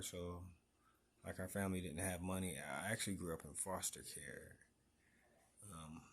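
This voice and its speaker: A man's voice: deep voice, a little hiss or hum. A man with a Detroit accent, talking casually to his viewers in a rambling vlog about himself, full of fillers and restarts. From Detroit, Michigan. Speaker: vlogger.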